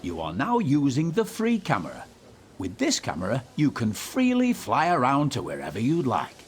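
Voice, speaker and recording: Encouraging, very animated tutorial narrator. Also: male voice, mid-range voice, moderate pace, a little hiss or hum. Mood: instructive, calm. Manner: clear, instructive, encouraging. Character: encouraging male tutorial narrator guiding young train drivers. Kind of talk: scripted game tutorial narration.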